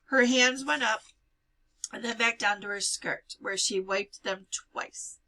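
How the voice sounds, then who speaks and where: A woman reading a novel aloud in an expressive storybook style, giving life to the dialogue. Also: a little high, slow pace, poor audio.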